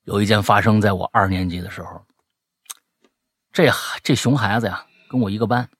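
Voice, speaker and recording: A man hosting a chat show, reading listener letters aloud and teasing them with animated, mock-indignant commentary. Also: on the low side, fairly quick, no room sound, studio quality. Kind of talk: comic commentary on listener stories.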